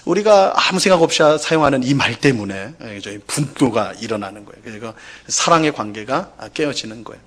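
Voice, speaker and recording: A man preaching a Sunday sermon in a church, mid-pitched and conversational. He fills his talk with fillers and rhetorical questions, acting out quoted complaints in a raised, pleading voice. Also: expressive, fairly quick, hardly any pauses. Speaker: pastor. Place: church sanctuary.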